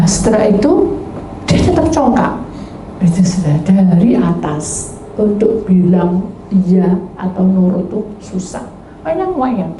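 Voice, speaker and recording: Woman pastor, lively storytelling sermon, roomy sound with faint hiss. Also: medium pitch. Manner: animated storytelling, acting out dialogues, addresses congregation. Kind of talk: sermon with testimony. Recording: echoey room with faint background noise.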